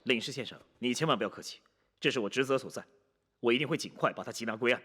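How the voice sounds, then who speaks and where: An actor playing a self-assured, teasing police detective in a Chinese period TV drama, probing and understated in manner. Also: male voice, medium pitch, fast talker, a bit bright, slightly rough, no room sound. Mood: dutiful.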